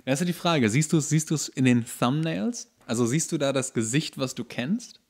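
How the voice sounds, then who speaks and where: A man co-hosting a podcast, chatting casually and haltingly, often starting his sentences over. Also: a little high, lively intonation. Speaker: podcast co-host. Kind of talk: casual chat.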